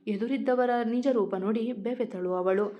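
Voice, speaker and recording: A woman's voice: fairly high pitch, moderate pace. A woman reading her own dramatic story aloud as narrator, in a dull lo-fi recording.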